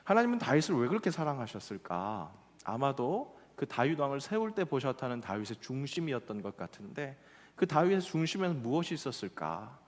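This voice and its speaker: A male pastor from Seoul delivering a Korean sermon, telling folksy stories with acted quotes and slowing down for emphasis. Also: medium pitch, very animated. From Seoul, South Korea. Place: church sanctuary. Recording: church hall with long reverb.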